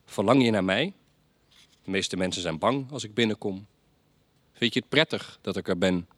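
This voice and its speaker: A man's voice: on the low side, moderate pace, fairly bright tone, dry recording. A man voicing Death in a storybook tale, grumbling and questioning, raised above his own voice. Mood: curious. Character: Death, grumbling, curious male figure.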